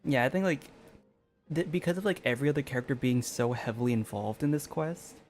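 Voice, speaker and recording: A man's voice: medium pitch, lively intonation, fast, darkish tone. A man streaming a game, giving casual commentary and thinking aloud in a musing way. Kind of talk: casual live gameplay commentary. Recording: game music behind the voice. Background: video game music.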